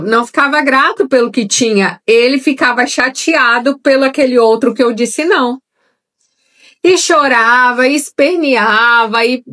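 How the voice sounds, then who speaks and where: A young adult woman leading a live-streamed Bible study in a conversational way, speaking straight to her viewers. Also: on the high side. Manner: conversational, talks directly to viewers. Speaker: Bible teacher.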